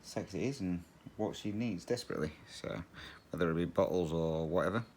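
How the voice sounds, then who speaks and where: Deep-voiced chatty man. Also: fairly quick, darkish tone, a little hiss or hum. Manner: chatty, rambling, laughs often. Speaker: cross-stitch channel host. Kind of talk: casual chat while stitching.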